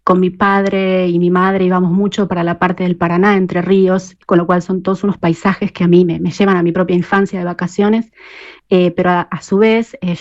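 A woman from Argentina, answering interview questions as a poet and researcher, pausing often with fillers and restarts. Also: lowish voice, level tone, darkish tone, lo-fi sound. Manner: hesitant, many fillers and restarts.

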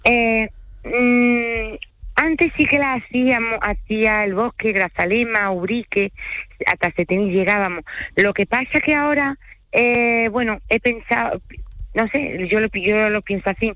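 A woman's voice: on the high side, unhurried, a bit bright, no room sound, low-quality recording. French-born tour guide lady rambling on a radio show, lots of fillers, dry studio sound. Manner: chatty, frequent "¿vale?" tags and fillers. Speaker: tour guide and company manager. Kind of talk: radio interview guest.

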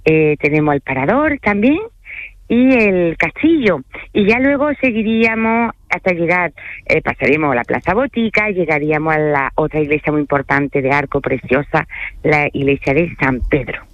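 A woman's voice: low-pitched, animated, normal speed, no echo, lo-fi sound. A woman from France, a tour guide, talking casually in a radio interview and often checking in with her listener mid-sentence. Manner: chatty, keeps adding "okay?" and filler hesitations.

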